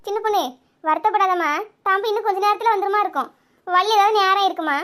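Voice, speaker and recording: In a village family drama, a woman plays Gomathi, a caring, motherly neighbour who soothes and coaxes the others and calls them by pet names. Her voice is extremely high-pitched, fast, and fairly bright, with a soothing mood throughout.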